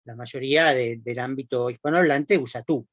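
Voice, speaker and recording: A man's voice: medium pitch, normal speed, fairly bright tone, dry recording, muffled recording. Rioplatense man lecturing, checking "¿sí?". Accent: Rioplatense Spanish. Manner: explanatory, frequent checking tags "¿no?" and "¿sí?". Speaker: university lecturer. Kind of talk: recorded class lecture.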